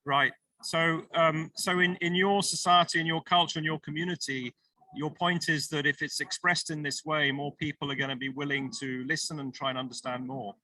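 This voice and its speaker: Bright-voiced man moderating a session. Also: fairly high pitch, steady tone, normal speed, dry recording, poor audio. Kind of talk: moderating an online panel discussion.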